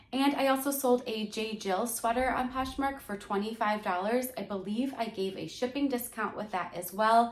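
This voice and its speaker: A loud woman's fairly high-pitched voice at a moderate pace with ordinary pitch variation. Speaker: clothing reseller. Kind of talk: casual vlog talk. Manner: trying to speak loudly and clearly.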